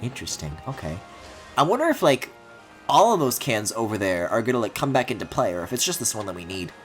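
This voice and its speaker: A man's voice: medium pitch, big pitch swings, fast, fairly bright tone. A man streaming a video game with casual live commentary, thinking aloud expressively. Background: game music.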